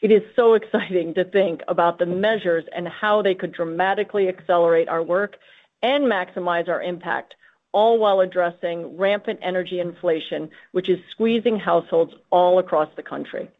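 A woman's voice: fairly low pitch, normal speed. A woman speaking as a company executive on an earnings conference call. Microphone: conference call line. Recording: tinny, band-limited conference call line.

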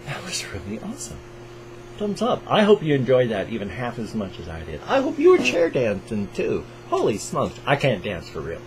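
An older man with a Pacific Northwest American accent talks to his viewers from a small room at home over a headset mic. His delivery swings up and down with animated pitch as he chats eagerly. A faint hum sits under the voice. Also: low-quality recording. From Pacific Northwest, USA. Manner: enthusiastic, keeps voice raised to a higher register, speaks slowly on purpose. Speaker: reaction video host. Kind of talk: casual chat to camera. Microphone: over-ear headset.

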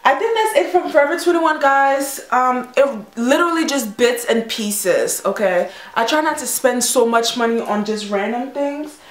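Woman vlogger, casual haul chat, gushing and bubbly, slightly high voice, echoey room. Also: lively intonation, moderate pace, few pauses. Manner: bubbly and gushing, with many fillers. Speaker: fashion vlogger.

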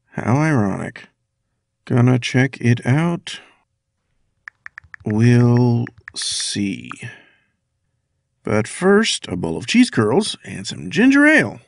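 A man's voice: mid-range voice, very animated, drawn-out words, creaky, long pauses, full character voice. An actor playing a wry man idly muttering to himself in a comedic audio drama. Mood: wry, musing.

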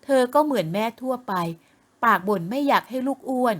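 Woman narrator, audiobook, expressive, higher voice. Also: brisk.

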